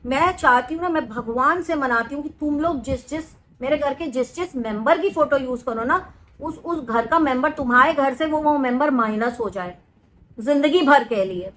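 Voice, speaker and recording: A woman with a high voice delivers a vlog rant straight to camera. She scolds and threatens, hammering points home by saying them twice. Her tone is insistent and accusing throughout. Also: normal speed, a bit bright. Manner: repeats phrases for emphasis. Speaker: vlogger.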